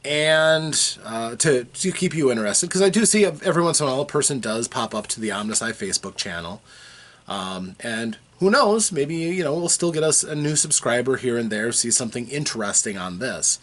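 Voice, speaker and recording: A man talking casually to his viewers from his basement, rambling with frequent fillers and restarts, his voice still a bit rough from a recent cold. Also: medium pitch, expressive, fairly quick, fairly bright tone. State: recovering from a cold, slightly rough voice. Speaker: vlogger. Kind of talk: casual chat to camera. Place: home basement.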